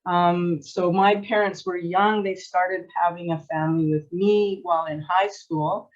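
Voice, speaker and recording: A middle-aged woman from Canada, a coach and former athlete, telling her story in a lively, chatty way with frequent laughs and restarts. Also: fairly low pitch, measured pace, lo-fi sound. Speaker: guest, sport psychology coach. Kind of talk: casual interview storytelling.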